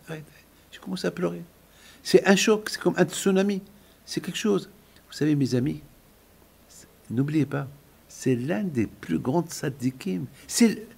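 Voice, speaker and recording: A man's voice: a little high, vocal fry, darkish tone. An older man, a rabbi, delivering an impassioned sermon-like eulogy, emphatic and repeating phrases for weight.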